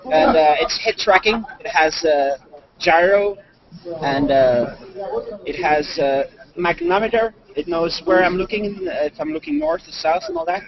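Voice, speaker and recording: Walking through a crowded convention and onto a monorail, a man live-streams his video blog at a moderate pace in an expressive, high-sitting voice. His casual chat is full of fillers and restarts. A head-mounted display mic captures him, and the stream sounds dull and lo-fi, with crowd noise behind.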